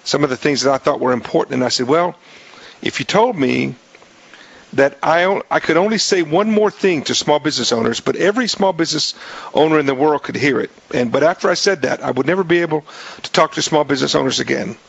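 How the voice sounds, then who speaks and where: A man hosting a radio talk show in a casual, joking way, his voice raspy, often restarting his sentences. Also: on the high side, fast, dry recording, low-quality recording. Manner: jokey, rambling with many restarts.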